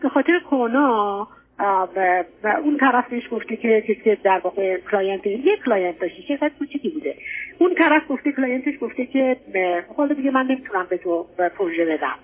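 A woman's voice: fairly high pitch, lively intonation, breathy edge. An older middle-aged woman with an Iranian Persian accent, hesitant and politely deferential, telling her personal story as a caller on an advice line. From Iran. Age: 50s or older. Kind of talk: personal account on a radio advice call. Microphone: phone call to a radio show. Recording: tinny narrow-band phone line.

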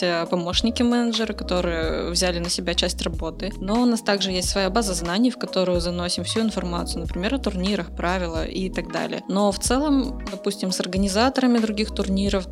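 A woman answering as an interview guest, explaining things in a conversational, giggly way. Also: mid-range voice. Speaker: interview guest, esports league community manager and team captain. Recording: music behind the voice. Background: music.

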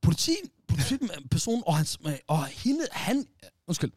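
Male podcast host, lively storyteller, slangy, dry close mic. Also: high voice, breathy edge, dry recording. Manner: animated storyteller, many restarts, slang like "bro" and "wallah". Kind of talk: casual storytelling chat.

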